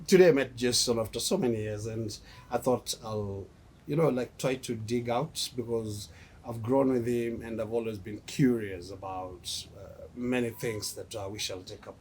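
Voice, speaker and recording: A man's voice: mid-range voice, normal speed, darkish tone. A man hosts a casual interview and asks long, meandering questions full of fillers. His voice sits mid-range, with faint background noise. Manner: rambling, filler-heavy questions.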